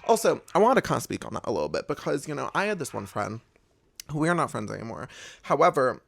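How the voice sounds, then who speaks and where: A man's voice: fast, gravelly. A young man giving a candid, emphatic pep talk, swearing freely and confiding in his viewers. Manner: emphatic and expressive, swears freely, big swoops in pitch. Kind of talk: candid motivational monologue.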